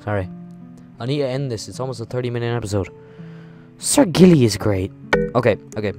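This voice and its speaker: A man's voice: mid-range voice, animated, fairly quick, music in the background. A man hosting a game let's-play, reading aloud and commenting casually in a rambling, apologetic, self-interrupting way.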